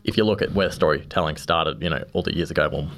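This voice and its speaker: A man's voice: rumbling low, fast talker, a bit bright. A young man, a guest in a casual interview, who often repeats words as he starts sentences. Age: 20s. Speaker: podcast guest.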